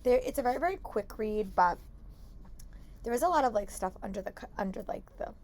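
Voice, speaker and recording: A young woman chatting casually in a book vlog, hoarse from a long day of talking at work, upbeat with lots of "like" and restarts. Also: fairly high pitch, lively intonation, fairly quick, darkish tone. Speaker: book vlogger. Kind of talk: casual vlog check-ins.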